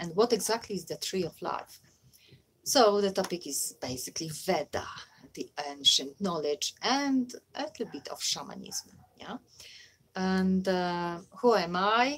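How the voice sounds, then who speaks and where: A woman's medium-pitched voice with a Polish accent, at a fairly slow pace, with long, frequent pauses, big swings in loudness and very wide pitch swings. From Poland. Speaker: spiritual teacher and healer. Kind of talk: talk to camera on spirituality. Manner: hesitant, many fillers.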